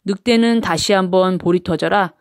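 A woman storyteller narrating a children's storybook with expressive, simple read-aloud phrasing for small children. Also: fairly low pitch, normal speed, no echo, clean studio sound.

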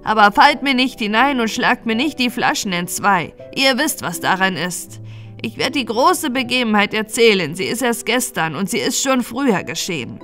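A woman voicing a talkative old bog witch in a fairy-tale audiobook, deliberate and foreboding. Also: a little high, big pitch swings, fairly bright tone. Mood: bossy. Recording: music bed under narration.

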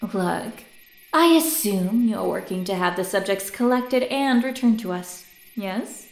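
A woman's voice: mid-range voice, animated, a little slow, gravelly. Woman playing a haughty, echoing lady scientist. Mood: brisk, impatient. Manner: theatrical, wordy, condescending. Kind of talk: audio drama acting. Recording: roomy, echoing sound.

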